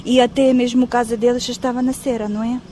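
A woman casually explaining things on location in quick, short phrases as a helper for a refugee family. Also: a little high, level tone, warm tone, a little hiss or hum.

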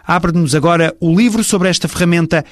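A man reading a scripted radio segment as presenter, in a steady, measured way. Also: a little high, no room sound, studio quality.

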